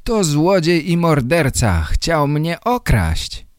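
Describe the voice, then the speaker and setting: A man voicing a scruffy, hungover male photographer who turns indignant and accusing, in a slow read-aloud story for learners. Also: medium pitch, wildly swooping pitch, darkish tone, dry recording, studio quality, pitched above the performer's own voice, exaggerated voice. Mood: shrieking. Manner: indignant, then shrieking accusations.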